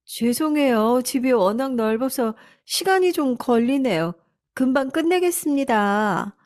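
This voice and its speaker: A woman's voice: high-pitched, expressive, unhurried, darkish tone, no room sound, clean studio sound, voice pushed up. A woman doing a timid apologetic housekeeper. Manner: polite, apologetic.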